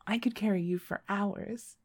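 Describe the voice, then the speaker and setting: A young woman in an intimate audio roleplay, talking softly and coaxingly and often whispering close to the microphone. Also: mid-range voice, steady tone, normal speed.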